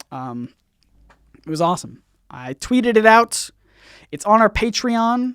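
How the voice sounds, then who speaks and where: A woman speaks loudly and energetically at a fairly slow pace, with long, frequent pauses, a fairly high pitch that swings very widely, and a dry, close sound with no echo. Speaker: YouTube comics channel host. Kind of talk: livestream chat answering viewer questions. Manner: loud, energetic; casual with many fillers.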